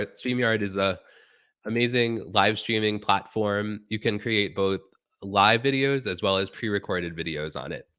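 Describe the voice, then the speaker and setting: Casting note: man with a cold, hoarse and low, sharp tone, chatty live-stream host talking straight to viewers. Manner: chatty, addresses viewers directly. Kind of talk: casual live stream tutorial.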